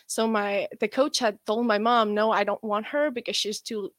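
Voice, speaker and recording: A young woman with an Estonian accent, a guest athlete chatting in an interview, relaxed and rambling with many fillers. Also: mid-range voice, normal speed, dry recording. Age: young adult. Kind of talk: casual interview chat.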